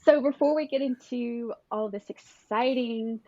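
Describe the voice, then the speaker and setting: A woman's voice: fairly high pitch, a little slow, mellow, no echo, lo-fi sound. A woman co-hosting a podcast, talking in a friendly, chatty and reassuring way. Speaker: podcast co-host. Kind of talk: casual podcast chat.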